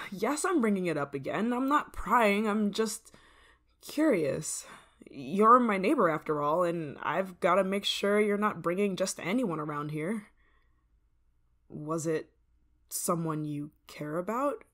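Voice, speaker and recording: A woman voicing an obsessive, controlling neighbor in an ASMR roleplay, soft-spoken and slipping into whispers with a sweet, creeping menace. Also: on the low side, lively intonation, a little slow. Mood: jealous.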